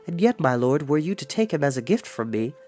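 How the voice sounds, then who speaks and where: Man as an earnest, slightly high-voiced young hero. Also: sing-song, fairly quick, darkish tone. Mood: earnest, wary. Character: earnest, bold, modest young wanderer hero. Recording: music behind the voice.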